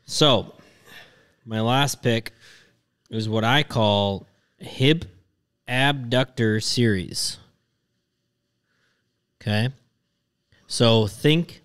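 A man with a sharp, bright voice speaks slowly as a podcast co-host. He mixes teasing, joking banter with casual tips on exercise. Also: medium pitch, clear, resonant tone.

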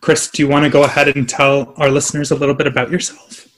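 A man's voice: a little high, little pitch movement, fast, a bit bright. A man co-hosting a casual podcast, teasing and meandering through his descriptions. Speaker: podcast co-host.

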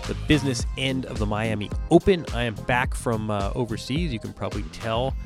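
A man's voice: medium pitch, fairly quick, music in the background. A man in his forties hosting a tennis podcast, chatty and wry, sounding a little stuffy from a cold. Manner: chatty, self-interrupting, wry asides. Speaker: podcast host.

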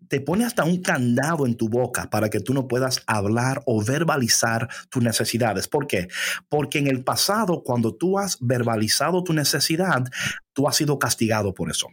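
A man co-hosting a faith podcast, talking in an expressive, preacherly way and dropping English phrases into his Spanish. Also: medium pitch, slightly rough. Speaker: podcast co-host.

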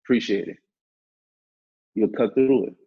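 Slangy husky young man, muffled sound. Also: on the low side, measured pace. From New York. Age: 20s. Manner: slangy, profane, loose and laid-back. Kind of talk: casual interview chat.

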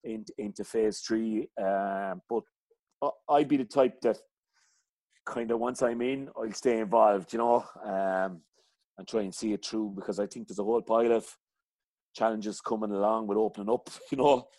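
A man's voice: fairly low pitch, fairly even intonation, moderate pace, a little mellow, dry recording. A middle-aged man with a County Clare accent from the west of Ireland, telling rambling, colloquial stories in casual conversation. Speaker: interview guest, hurling coach. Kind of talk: casual chat, anecdotes.

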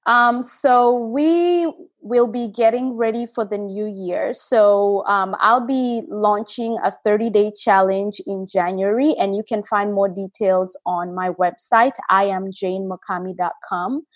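A woman's voice: mid-range voice, steady tone, no echo, highs cut off. Woman from kenya chatting as a podcast guest, lots of ums, dry close sound. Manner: halting, with frequent fillers. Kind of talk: casual interview chat.

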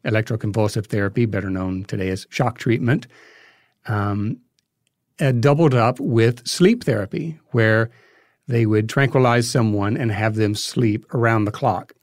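A man's voice: fairly low pitch, normal speed, no room sound, studio quality. A man giving a conversational explanation as an interview guest, choosing his words hesitantly and thoughtfully. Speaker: interview guest, filmmaker and podcast creator.

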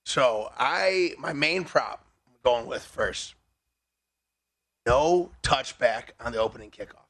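A man's voice: mid-range voice, lively intonation, slow pace, fairly bright tone. A man on a sports talk panel confidently walking through his betting picks. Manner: confident, laying out his bets. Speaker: betting guest.

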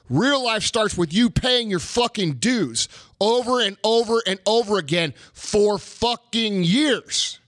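A man's voice: sits high, fairly bright tone, no echo, studio quality. A man giving a blunt, profane motivational rant, hammering his points home with emphatic repetition. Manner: blunt, emphatic, heavy swearing. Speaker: motivational speaker.

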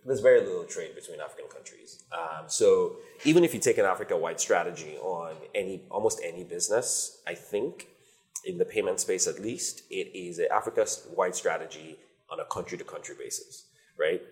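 A man from Nigeria, a company founder, answering interview questions in a measured, thoughtful way with frequent pauses. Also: deep voice, a little mellow. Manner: measured, thoughtful, many ums.

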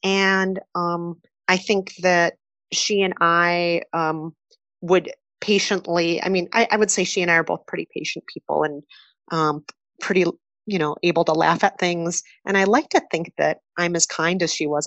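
Woman, thirties, Minnesota accent, low gravelly voice, chatty and animated. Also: moderate pace, dry recording, highs cut off. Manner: chatty, animated, laughs often, many fillers. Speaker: podcast host, interviewee. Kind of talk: conversational interview.

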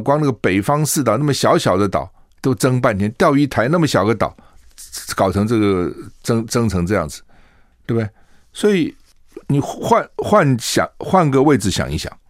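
An older man with a Taiwanese Mandarin accent, hosting a political commentary talk show, animated and full of rhetorical questions. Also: mid-range voice, dry recording, studio quality. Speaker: radio talk show host.

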